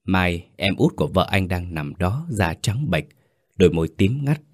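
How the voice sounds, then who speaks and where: A man reading a story in a steady, grave way. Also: sits low, moderate pace, no echo, clean studio sound. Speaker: narrator. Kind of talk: scripted story narration.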